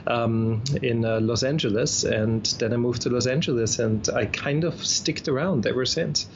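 A man's voice: medium pitch, normal speed, dull audio, slight background noise. A man from Austria with an Austrian accent, a guest in a casual interview, talking in a chatty way with frequent restarts and repeated words.

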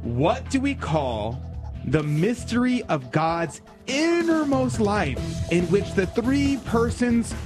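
A man's voice: sits high, big pitch swings, takes it slowly, over music. A man hosting a call-in radio quiz, teasing and upbeat. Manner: teasing, playful quizmaster. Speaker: radio host.

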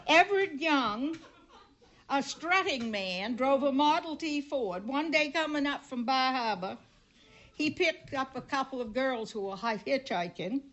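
An older woman with a Maine accent tells comic local tales with a dry, deadpan touch. Her voice sits high and she takes her time. The recording from the event sounds dull and muffled. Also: measured pace. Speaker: storyteller. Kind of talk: humorous storytelling at a live event.

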